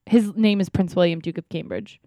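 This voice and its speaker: A young woman from the Philadelphia area co-hosting a podcast, chatting quickly and reacting with animated disbelief. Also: fairly low pitch, no echo, studio quality. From Philadelphia area, USA. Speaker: podcast co-host. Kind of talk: casual chat.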